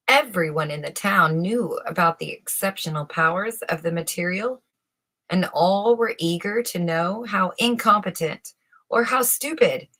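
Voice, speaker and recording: A woman narrating a fairy tale from a script in an expressive storyteller's style. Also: mid-range voice.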